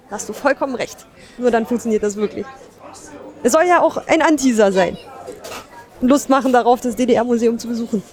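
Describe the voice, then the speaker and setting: Over crowd noise in the background, a woman with a high voice speaks at a moderate pace with ordinary pitch variation and long, frequent pauses. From northern East Germany. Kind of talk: casual chat. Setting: walking through a museum.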